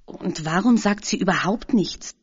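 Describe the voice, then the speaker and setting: A woman's voice: medium pitch, measured pace, slightly rough, muffled recording. A woman voicing a cheerful young boy skateboarder who talks eagerly and uses youth slang, in a storybook reading.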